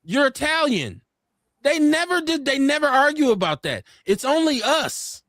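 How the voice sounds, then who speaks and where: An American man with an urban Black accent hosts a live online talk show at a normal pace, recorded dry with studio quality. He talks casually and reads viewer comments aloud, getting animated and preachy as he makes his points, his pitch leaping high to drive them home.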